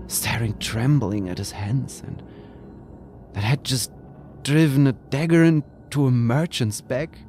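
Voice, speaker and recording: A man narrating a scripted horror story in a slow, brooding way, sometimes dropping to a whisper. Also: lowish voice.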